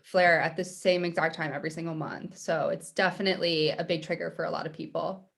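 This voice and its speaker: A woman in her mid-twenties hosts an interview podcast and explains things from her dietitian work. She sounds friendly and affirming. Her voice sits slightly low for a woman. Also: fairly even intonation, brisk, creaky, a bit bright. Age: 20s. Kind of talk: interview conversation.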